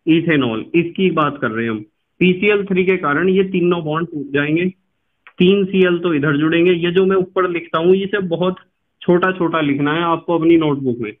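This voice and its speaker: Guy teaching chem, kinda high voice, asks the class stuff then answers it himself, spells words out slow, sounds tinny like a phone. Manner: patient, asks students questions and answers them; spells terms out slowly. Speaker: chemistry teacher. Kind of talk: classroom lecture.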